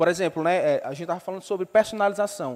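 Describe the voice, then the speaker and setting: The recording is very clean, with a silent background. A man speaks very fast in a high voice. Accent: slight northeastern Brazilian. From Brazil, Northeast (Mossoró, Rio Grande do Norte). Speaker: researcher presenting at a workshop. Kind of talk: technical presentation. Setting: auditorium with audience.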